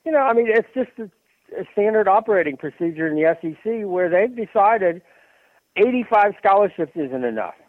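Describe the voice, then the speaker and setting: A man's voice: sits high, expressive, no echo. Man rambling on a tinny phone line. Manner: halting, many fillers and restarts. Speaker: sports radio commentator. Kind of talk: rambling sports talk on phone.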